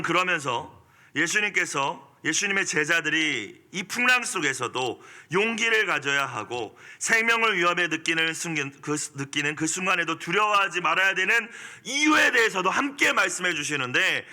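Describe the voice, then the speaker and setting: Bright-voiced man preaching with fervor. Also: high-pitched. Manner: animated, swings from soft asides to pleading, forceful outbursts. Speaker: pastor. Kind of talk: early-morning sermon.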